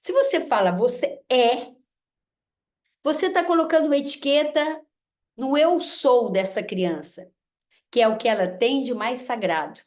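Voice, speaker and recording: A woman gives a lecture to an audience on raising children. Her voice sits high, and she talks in a lively, animated way, slipping into the voices of parents and kids to act out her examples. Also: normal speed. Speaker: speaker giving a talk on parenting.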